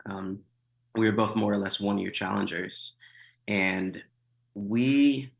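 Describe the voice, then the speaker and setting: Through a rough recording, a thirties-aged missionary chats as an interview guest, recounting his story with dry humor amid many fillers and restarts. He takes it slowly in a gravelly voice on the low side.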